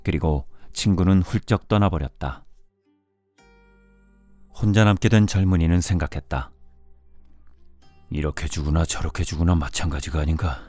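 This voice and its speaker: A man reading a storybook in a measured bedtime audiobook style, with music behind him. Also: extremely low pitch, warm tone, no echo. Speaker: audiobook narrator. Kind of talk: scripted storybook narration for bedtime listening.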